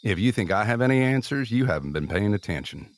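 Weary, wry man with lively pitch played by actor. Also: fast, lightly acted. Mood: wry, resigned. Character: weary, resigned injured man, self-deprecating. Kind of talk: naturalistic audio drama acting.

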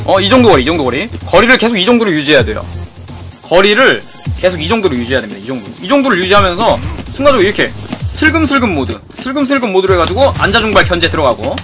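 High, lively man swearing at a game. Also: fast talker. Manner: excitable, swears at the game, repeats phrases. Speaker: game streamer. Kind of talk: fighting game tutorial commentary. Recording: music playing behind.

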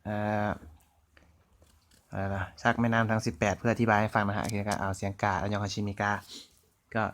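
A man with a Thai accent giving a relaxed, chatty language lesson, repeating sounds as he writes them out. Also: fairly low pitch. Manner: slow, chatty, repeating sounds while writing on a board. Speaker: language teacher. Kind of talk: casual online language lesson.

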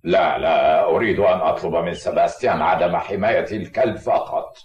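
A man acts a stern middle-aged cartoon commissioner giving orders. His voice is lowish and quick. The recording is echoey. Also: darkish tone, lo-fi sound, natural voice. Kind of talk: dubbed cartoon acting. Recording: echoey, distant-sounding audio.

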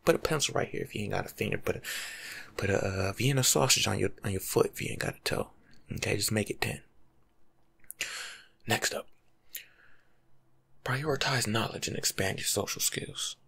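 A young American man giving rambling, slangy ASMR life advice in a hushed, breathy voice, playful and animated, close to the mic in a room at home. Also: lowish voice, normal speed, long pauses. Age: young adult. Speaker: ASMR video creator. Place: small indoor room at home.

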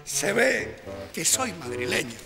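An actor playing a blunt, comically earnest workshop mate in a TV sitcom, with a Spanish accent. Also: male voice, high voice, very animated, slow, gravelly, over music, exaggerated voice. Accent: Spanish, from Spain. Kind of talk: broadcast sitcom acting.

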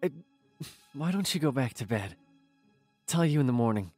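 A man acting as an evasive boyfriend in an audio drama. His voice is hushed and halting, with music underneath. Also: mid-range voice, expressive, close to an everyday voice. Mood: evasive, placating. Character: evasive boyfriend creeping home late at night.

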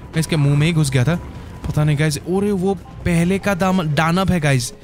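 A man hosting his gaming channel, giving excitable gameplay commentary and calling out to his viewers constantly. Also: a little high, moderate pace, faint music behind. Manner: excitable, keeps saying "guys".

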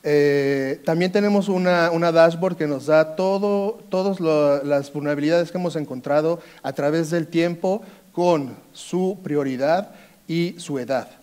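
A man with an Italian accent giving a conference talk on a dark stage, hesitant, with many fillers and restarts. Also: fairly high pitch, measured pace, clear, resonant tone. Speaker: conference speaker, sales engineer. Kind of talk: conference presentation.

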